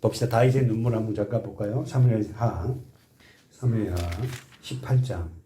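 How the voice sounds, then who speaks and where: A man preaching a sermon as pastor, emphatic and full of questions to the congregation, with folksy asides and led group readings. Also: normal speed. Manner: emphatic, swings between soft low asides and loud impassioned appeals. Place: church sanctuary.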